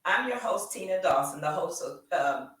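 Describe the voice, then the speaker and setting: A woman's voice: on the low side, lively intonation, moderate pace, a bit bright, distant mic. A woman hosting an interview show, reading a scripted welcome and then prompting her guest in a chatty way. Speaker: talk show host. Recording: roomy echo, away from the mic.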